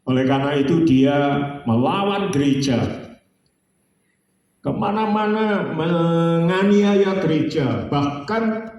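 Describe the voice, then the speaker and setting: Elderly male pastor in his 70s, slow sing-song sermon delivery, mellow tone, heard from afar in a booming church hall. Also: animated, a little hiss or hum. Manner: drawn-out, sing-song preaching with homely jokes. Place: church sanctuary. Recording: very echoey church hall, distant mic.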